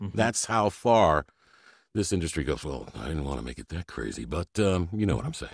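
A man with a very deep, low pitch, vocal fry and very wide pitch swings at a fairly quick pace, the sound dry and close with no echo in a very clean recording with a silent background. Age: 50s. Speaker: voice actor and musician. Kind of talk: casual interview. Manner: animated.

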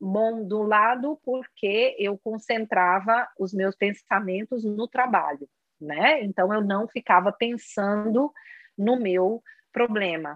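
A woman speaks at a very slow pace. Her pitch sits fairly high, with ordinary variation. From Brazil, Goiás. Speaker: emergency nurse. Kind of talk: personal testimony. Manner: halting, many restarts.

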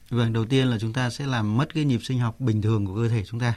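A man's plain, everyday voice at a medium pitch, with fairly even intonation and a fairly quick pace. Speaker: doctor. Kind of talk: radio call-in health advice. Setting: studio.

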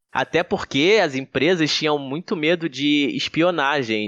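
A man with an unremarkable speaking voice at a moderate pace, ordinary pitch variation, and a dry, close sound with no echo against a quiet background. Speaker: podcast co-host. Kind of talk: casual chat.

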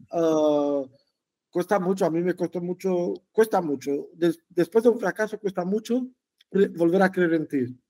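This man speaks with a Romanian accent at a high pitch, his tone dark and mellow. The sound is dry and close with no echo, and his pace is fairly slow. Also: ordinary pitch variation. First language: Romanian (speaking Spanish). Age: 30s. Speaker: entrepreneur. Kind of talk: interview. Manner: halting.

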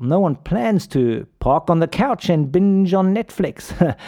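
A high-pitched man with a South African accent. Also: quiet background. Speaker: running podcast host and coach. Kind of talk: podcast monologue.

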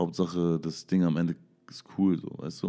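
A man's very deep, low voice with a dark, mellow tone at a fairly quick pace, on a very clean recording with a silent background. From Berlin, Charlottenburg. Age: 20s. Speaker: music video producer. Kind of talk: casual interview.

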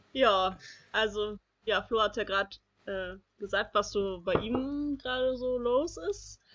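This woman talks at a very slow pace, her fairly high pitch showing ordinary variation. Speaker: podcast co-host. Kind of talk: casual chat. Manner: halting.

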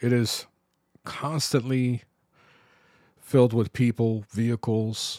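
In an American accent, a man speaks at a very slow pace with long, frequent pauses and a monotone, flat intonation. His medium-pitched voice has a dark, mellow tone, and the sound is dry and close with no echo. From Bronx, New York. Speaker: podcaster. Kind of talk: solo podcast monologue. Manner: halting, with hesitations and restarts.

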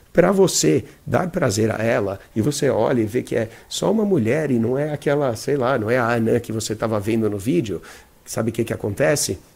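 A man speaks fairly quickly with a Brazilian accent. His intonation is lively. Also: medium pitch for a man. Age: 40s. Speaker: dating coach and podcaster. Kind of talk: monologue video talk. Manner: animated.

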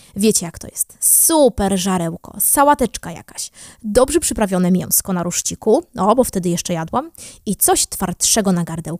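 In a normal speaking voice, a woman at medium pitch talks at a moderate pace with lively intonation and big swings in loudness, the sound dry and close with no echo. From Poland. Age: 20s. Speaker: podcast host. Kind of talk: personal storytelling monologue. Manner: casual and conversational.

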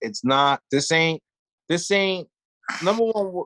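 A man with an American accent speaks at a fairly slow pace with lively intonation, in a plain, everyday voice. The sound is dry and close, with no echo. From New York. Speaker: former radio host. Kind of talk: casual chat.

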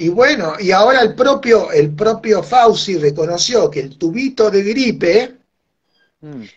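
This man has an Argentine accent and a high pitch. He speaks fairly slowly with lively intonation, and his loudness swings widely. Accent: Argentine Spanish (voseo). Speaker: health website director and activist. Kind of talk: interview.

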